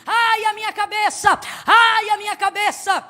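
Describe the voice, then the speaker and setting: A woman preacher voicing a young boy wailing that his head hurts, in high repeated cries. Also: flat delivery, normal speed, pushed and bright, big-room sound, exaggerated voice. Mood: wailing in pain. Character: young boy crying out in pain.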